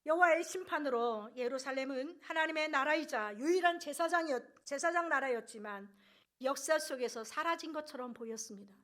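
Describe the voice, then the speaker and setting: A woman preaching a sermon in earnest, rising loud on key phrases and dropping soft at the ends of sentences. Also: high-pitched, a little fast.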